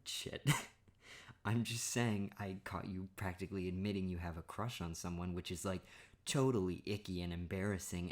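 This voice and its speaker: This young adult man's voice sits low as he plays a boyfriend in an ASMR roleplay. He talks in a playful, teasing way, laughs often, and now and then drops to a hush.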